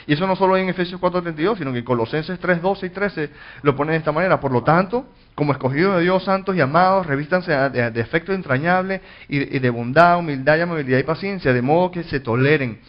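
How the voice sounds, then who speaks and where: A pastor teaching a Bible study, reading verses aloud and explaining them with frequent restarts. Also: male voice, fairly high pitch, fast. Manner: reads scripture then explains, many restarts and fillers. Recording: dull lo-fi recording.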